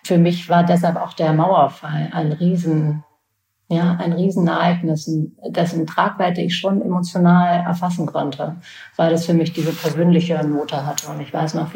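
A woman in her forties from Berlin, speaking low and flat with a gravelly edge. She tells personal memories as an interview guest, often pausing to look for the right words. Her mellow voice sits in an echoey room. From West Berlin, Germany. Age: 40s. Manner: thoughtful, searching for words, frequent restarts. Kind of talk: reflective personal storytelling.

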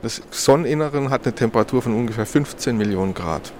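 A man's voice: medium pitch, expressive, fast talker, darkish tone, a little hiss or hum. A man, a solar scientist, giving explanations in an interview.

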